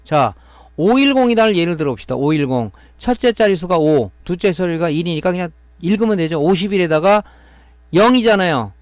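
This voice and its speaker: In a classroom-style technical lecture, a man teaches electronics repair step by step, often tacking on tag questions to make sure his listeners follow. His voice sits high and sounds animated, moving at a fairly quick pace with no room sound.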